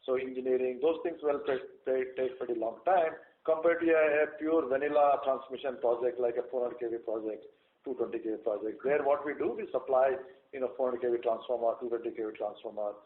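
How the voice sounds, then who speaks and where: A man's voice: medium pitch, fairly quick. Exec guy on an earnings call explaining stuff, lots of you know, tinny echoey phone line. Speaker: company executive answering analysts. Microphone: conference call line.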